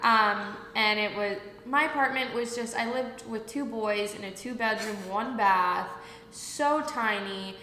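A young woman co-hosting a casual podcast, bubbly and excitable, her voice echoing as in a big empty hall of an unfurnished apartment. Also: medium pitch, unhurried. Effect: big hall-like echo of an empty room. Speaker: podcast co-host. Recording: echoey empty room, roomy reverb, faint noise.

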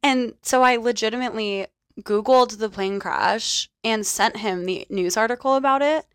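A young woman co-hosting a podcast, telling stories in animated casual chat and swearing freely, recorded close on a studio mic. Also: fairly high pitch, normal speed, smooth, no echo. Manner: animated storyteller, laughs often, swears casually. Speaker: podcast co-host.

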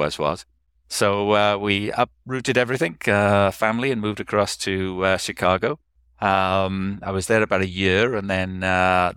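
Low, smooth-voiced Welsh man. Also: fairly bright tone, no echo, studio quality. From South Wales. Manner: hesitant, many fillers. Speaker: guest. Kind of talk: conversational interview.

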